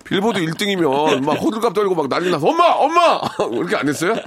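A man in his forties hosting a radio talk show, fond of teasing his guest with jokey, exaggerated asides. His voice sits fairly high and swings widely in pitch. The sound is close and dry. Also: animated, very fast, slightly rough, no echo. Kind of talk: playful radio interview.

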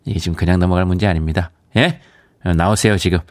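A radio host from Yeongcheon, South Korea, speaks with a Daegu-Gyeongbuk accent, chatting casually and reading listener messages with easy laughs. His low voice moves quickly with fairly even intonation. Recorded on a studio microphone in a radio studio, the sound is clean with no echo.

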